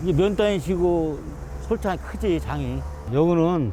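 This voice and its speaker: A man's voice at a fairly slow pace. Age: 70s. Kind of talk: casual talk to camera.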